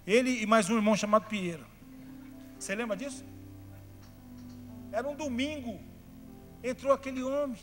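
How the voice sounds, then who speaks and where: A Brazilian man, a pastor, preaching a sermon, telling stories in a chatty way that builds to fervent shouting. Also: extremely high pitch, fairly even intonation, normal speed, long pauses. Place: church hall. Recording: reverberant church hall, faint music behind.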